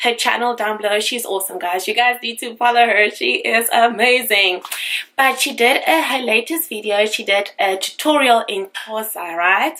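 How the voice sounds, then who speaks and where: An animated voice with a South African accent and ordinary pitch variation moves at a moderate pace. Noticeable background noise can be heard. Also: woman, fairly high pitch for a woman. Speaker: beauty youtuber. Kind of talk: makeup tutorial.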